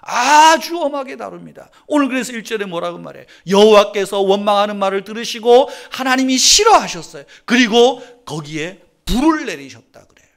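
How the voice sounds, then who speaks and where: A male pastor preaching a sermon, chatting with the congregation through questions and swinging from loud proclaiming to hushed whispers. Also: sits high, expressive, fairly quick, hardly any pauses. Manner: conversational, asks the congregation questions.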